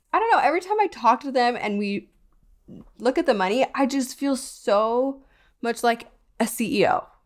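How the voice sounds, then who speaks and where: Her pitch is high and swings very widely as a woman speaks in an animated tone at a moderate pace, with long, frequent pauses. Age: 20s. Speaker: podcast host for freelancers. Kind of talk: casual solo podcast with story reading. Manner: animated, frequent laughter.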